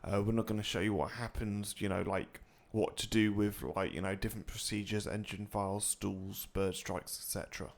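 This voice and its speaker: A man's voice: fairly low pitch, level tone, moderate pace, creaky, hardly any pauses. A young man co-hosting a flight-sim tutorial, chatting casually and rambling with many fillers and restarts. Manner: rambling, filler-heavy, hesitant.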